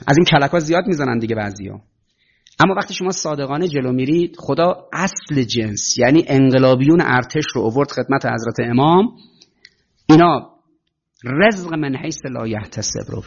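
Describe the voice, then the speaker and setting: Male lecturer, slightly high voice, fiery rhetorical delivery to students, dull lo-fi recording. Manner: emphatic, rhetorical questions, acts out quoted officials. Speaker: speaker addressing students. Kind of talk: impassioned political lecture.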